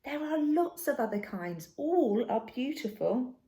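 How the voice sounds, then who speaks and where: A gentle black cat from a storybook, voiced by a woman, enticing and in love with the night. The delivery is breathy and often drops near a whisper, with a lilting, varied pitch. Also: sing-song, measured pace, reverberant, exaggerated voice.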